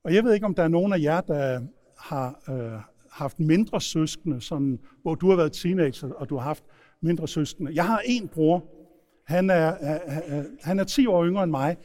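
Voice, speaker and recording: A man preaching a sermon, retelling stories in a lively storytelling manner. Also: on the high side. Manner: storytelling, animated retelling with shouted quotes. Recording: long hall reverb.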